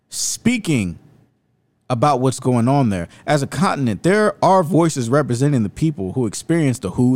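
A man's voice: mid-range voice, a little mellow, dry recording. A man hosting an opinionated video commentary, speaking in an emphatic, rhetorical and indignant way. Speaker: commentary host.

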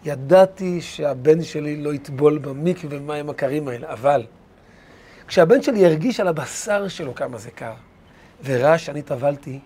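A man voicing a devoted Hasidic father in a told story, calmly explaining. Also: on the high side, breathy edge, voice pushed down. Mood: earnest.

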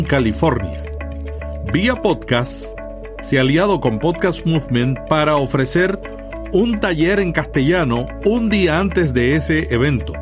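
A man with a Puerto Rican accent hosting a podcast, reading a scripted intro and interviewing guests in a measured, announcer-like way. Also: fairly high pitch. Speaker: podcast host.

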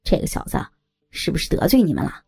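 A woman's voice: quick pace, mellow, lightly acted. A woman voicing a thuggish male security chief in his thirties, swaggering and crude. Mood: fawning. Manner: swaggering, switches to fawning.

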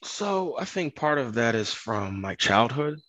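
A man from Ghana in West Africa, who owns a construction business, tells his story earnestly and conversationally as a podcast guest, repeating phrases for emphasis. His medium-pitched, fairly bright voice swings widely in pitch and runs a little slow, in a dry recording.

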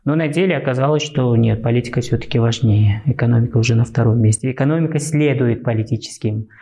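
A man from Uzbekistan with a Central Asian Russian accent, explaining things conversationally as an interview guest in a halting, thoughtful way. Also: mid-range voice, warm tone.

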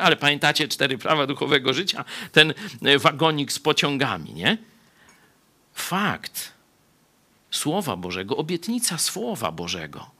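Man, pastor, conversational sermon, animated swoops in pitch, bright forceful tone. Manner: conversational, frequent tag "nie?"; lively, swings between soft asides and raised emphasis. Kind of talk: sermon Bible study.

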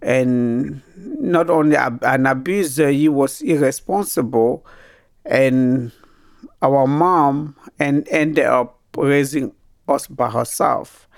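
A middle-aged woman from Cameroon, a native French speaker with a Cameroonian French accent, telling her life story haltingly, searching for words. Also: rumbling low, vocal fry, no room sound, clean studio sound. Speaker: guest.

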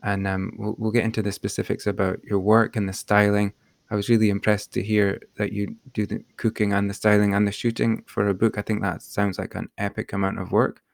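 A man's voice: on the low side, flat delivery, a little fast, vocal fry. A man hosting a podcast, reading a scripted intro and asking questions in an earnest, encouraging way. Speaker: podcast host.

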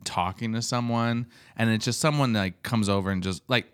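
A man's voice: mid-range voice, normal speed, a bit bright, smooth. A man hosting a podcast, talking casually and rambling with lots of fillers and restarts. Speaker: podcast host. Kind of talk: casual chat.

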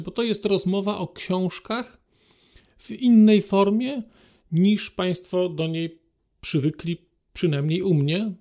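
A man hosting a podcast, speaking formally and politely to listeners in a halting monologue. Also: high voice, a little mellow. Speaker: podcast host.

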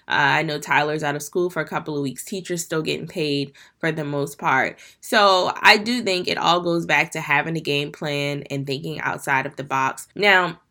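A woman's voice: low-pitched, normal speed, few pauses, bright, forceful tone. A young adult woman hosting her own podcast, sounding stuffy and congested from allergies, coaching her listeners earnestly and calling them "you guys". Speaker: podcast host. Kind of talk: solo podcast talk to listeners.

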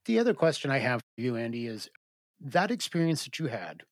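A man's voice: mid-range voice, very animated, brisk, dry recording, studio quality. A man co-hosting a podcast discussion, asking curious follow-up questions. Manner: inquisitive, asks follow-up questions.

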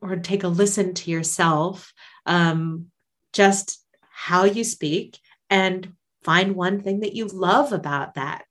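A woman's voice: on the low side, slow, a bit bright. A woman guest on a podcast, a singer and life coach, talking in a casual, enthusiastic and encouraging way and laughing often.

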